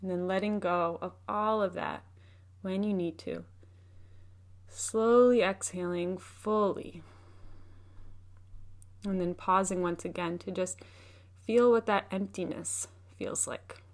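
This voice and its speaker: A woman with a medium-pitched voice guides a meditation. She gives soft, soothing instructions as a teacher would. Her delivery is unhurried and gentle, leaving room between phrases. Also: steady tone.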